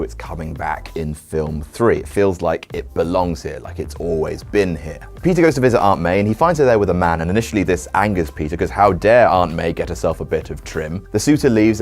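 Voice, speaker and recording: A young man giving scripted film commentary, excitable and sarcastic, swearing casually. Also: sits low.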